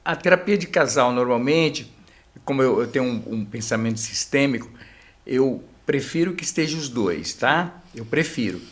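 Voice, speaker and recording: A middle-aged man with a Brazilian Portuguese accent appears as a couples therapist guest in a casual podcast chat, explaining things and often tagging his phrases with a filler. His medium-pitched voice is expressive, at a moderate pace.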